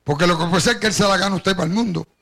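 A man's voice: high voice, fast talker, gravelly, fairly bright tone. An older man from Puerto Rico with a Caribbean Spanish accent tinged with Cuban, preaching a personal testimony and addressing his congregation directly as he tells his story. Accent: Caribbean Spanish, Puerto Rican with Cuban influence.

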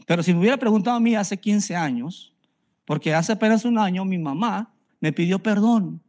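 A man's voice: sits high, moderate pace, darkish tone. A man, preaching a sermon and telling his own story in an earnest way, often repeating phrases for emphasis. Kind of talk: personal testimony sermon.

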